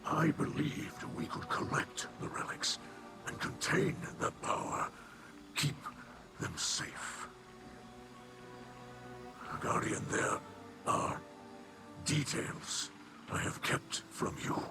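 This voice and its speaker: A man voicing a weary, haunted alien leader with formal, halting speech for a video game. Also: on the high side, animated. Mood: troubled, pleading. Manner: slow, halting, formal phrasing. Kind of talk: dramatic video game voice acting. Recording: loud music behind the voice.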